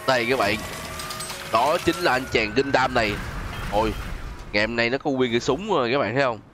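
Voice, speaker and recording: Exclamatory man commentating over loud game music. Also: mid-range voice, brisk. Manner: exclamatory, chatty, addressing viewers as friends. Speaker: gaming video host. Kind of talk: casual gameplay commentary.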